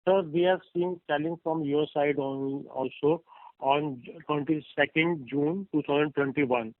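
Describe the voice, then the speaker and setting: A male investor calling in to question company management, speaking in halting, broken phrases over the phone. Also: on the high side, steady tone, no room sound. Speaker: investor caller asking questions. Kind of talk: earnings call question. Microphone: phone call. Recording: thin, narrow phone line.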